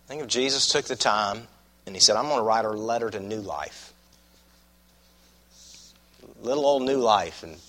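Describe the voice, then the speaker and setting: A man with a Southern US accent preaching an expository sermon as a pastor, croaky from a cold, in a folksy, deliberate manner that repeats phrases for emphasis. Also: mid-range voice, sharp tone. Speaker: pastor preaching to his congregation.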